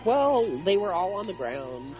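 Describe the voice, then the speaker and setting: A man with a slightly higher voice asks questions about the film and talks frankly in casual chat. The sound is dull and lo-fi. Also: animated, a little fast, vocal fry, music in the background. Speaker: podcast co-host. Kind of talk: casual movie riff chat. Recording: dull lo-fi audio with film playing.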